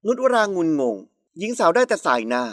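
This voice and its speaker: A woman narrating a romance novel aloud in a calm, even storytelling manner. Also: on the low side, a little fast, no echo, clean studio sound. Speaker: audiobook narrator.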